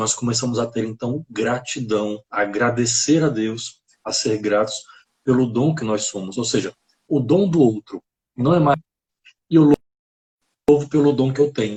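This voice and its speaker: A man speaks slowly at a medium pitch, somewhat breathy and dark, mellow in tone, with ordinary pitch variation. Long, frequent pauses break up his fairly slow delivery, and the sound is dry and close with no echo. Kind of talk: casual chat. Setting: live stream. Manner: careful articulation.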